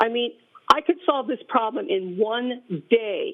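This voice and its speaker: A woman with a fairly high voice talks at a moderate pace. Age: 60s. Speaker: resident at a public hearing. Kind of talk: public hearing testimony. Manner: pleading, emotional.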